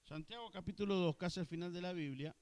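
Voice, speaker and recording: A male pastor with an Argentine Spanish accent preaches in a high, clear, resonant voice. He questions his congregation and jokes with them, then climbs to loud, emphatic peaks. He sounds like a pastor delivering a church sermon. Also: fast talker. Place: church hall.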